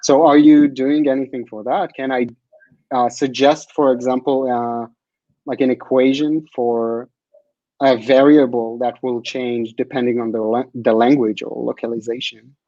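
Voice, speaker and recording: Young hebrew-native guy co-hosting a webcam call, halting, mellow voice, dull lo-fi audio. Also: medium pitch, little pitch movement, no room sound. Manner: halting, many "uh" pauses. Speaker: meetup co-host. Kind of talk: asking questions on a video call. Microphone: video call webcam.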